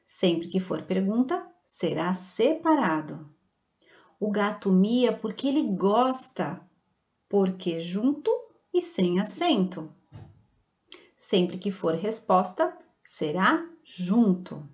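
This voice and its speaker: A Brazilian Portuguese-speaking woman teacher giving a slow, patient online grammar lesson to children, often checking in with the class. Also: medium pitch, very animated, darkish tone. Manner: patient, slow and didactic, checking in with "tá bom?" and "certo?". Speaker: primary school teacher.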